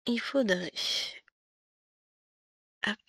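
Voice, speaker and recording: A bright, gravelly-voiced woman hosting her cross-stitch vlog. She chats loosely with plenty of fillers and asides as she works. The sound is dry and close. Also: mid-range voice, extremely slow, no room sound. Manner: chatty, rambling, lots of fillers and asides while stitching. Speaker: cross-stitch channel host. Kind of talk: casual chatty craft vlog.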